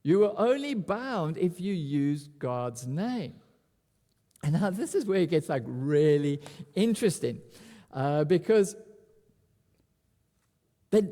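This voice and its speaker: High, lively preacher at a pulpit microphone. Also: male voice, in a large hall. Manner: animated, repeats words as he restarts. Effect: speaking at a pulpit microphone. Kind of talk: expository sermon.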